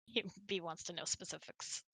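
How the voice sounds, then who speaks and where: Woman, bright voice, casual chat, giggly, hangout host, dry recording. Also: on the low side, steady tone, moderate pace, no echo. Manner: giggly, laughs often while talking. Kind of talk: casual chat, answering audience questions.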